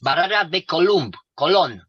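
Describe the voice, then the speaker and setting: A man speaking slowly and deliberately on a video call, pausing often for his interpreter. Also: a little high, expressive, slightly rough. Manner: deliberate, with pauses and fillers. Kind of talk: slow lecture-like talk, pausing for translation. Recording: dry, lo-fi video call audio.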